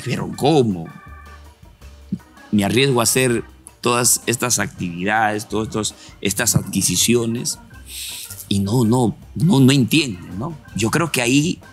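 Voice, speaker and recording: Preacherly male Christian TV host. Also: medium pitch. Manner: preacherly, reflective, quotes scripture. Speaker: interviewer of a Christian TV program. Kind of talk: sermon-like interview commentary.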